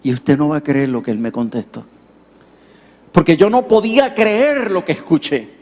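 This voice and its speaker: Brief: male preacher, storytelling sermon, pitched a bit high, long hall reverb. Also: lively intonation, normal speed, darkish tone. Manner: storytelling, direct questions to the audience. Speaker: pastor.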